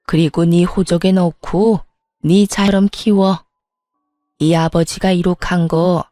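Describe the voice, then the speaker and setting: A stern elderly matriarch of a family drama , acted by a woman storyteller. She scolds and gives orders coldly and with open scorn. The sound is dry and the tone dark. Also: mid-range voice, no echo, natural voice. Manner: cold, commanding, scolding.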